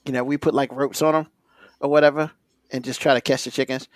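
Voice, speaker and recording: A man's voice: medium pitch, little pitch movement, quick pace, dry recording, clean studio sound. A man hosting a podcast in casual, conversational talk. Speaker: podcast host.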